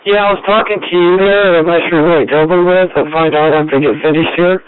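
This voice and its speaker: A man running an amateur radio net over two-way radio, explaining things in a casual, halting way. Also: on the high side, steady tone, clean tone, phone-quality sound. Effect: two-way radio transmission. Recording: band-limited two-way radio audio.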